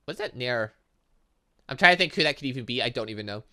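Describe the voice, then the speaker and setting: A man's voice: mid-range voice, expressive, fast, sharp tone, clean tone. A man hosting a gaming channel, giving let's play commentary on a visual novel with dramatic, exclaiming reactions.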